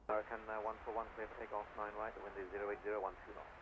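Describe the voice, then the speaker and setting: Male tower radio voice, air traffic control: very fast, clipped procedural delivery over loud noise. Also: lowish voice, monotone, dull audio. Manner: terse, rapid-fire readouts of numbers and instructions. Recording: noisy aviation radio with loud aircraft noise.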